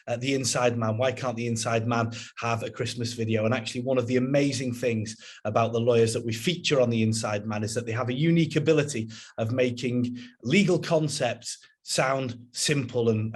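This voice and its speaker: A man hosting an interview, chatty and relaxed, with plenty of fillers as he introduces his guest. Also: mid-range voice. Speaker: host.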